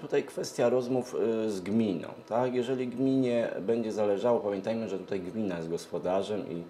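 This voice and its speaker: A middle-aged man answers interview questions hesitantly, pausing often mid-sentence. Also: fairly low pitch, dark tone, a little hiss or hum. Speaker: event organizer, interview guest. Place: TV studio, seated at a glass desk. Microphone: lapel mic.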